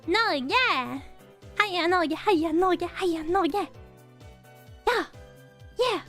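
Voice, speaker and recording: Young woman streamer, high voice, casual rambling chat, soft music underneath. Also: expressive, takes it slowly. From Norway. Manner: rambling, restarts and repeats words.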